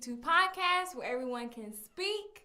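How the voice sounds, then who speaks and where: A woman speaks in a raised, projected voice with very wide pitch swings. The room echo is audible. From US South, Atlanta. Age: 20s. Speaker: podcast host and teacher. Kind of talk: live stream Q&A chat. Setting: live video stream. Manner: animated.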